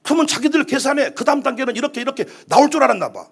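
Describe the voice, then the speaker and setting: A male pastor preaching a sermon at a church prayer meeting, swinging from hushed asides to impassioned shouts. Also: very high voice, very animated, rapid-fire, gravelly, husky.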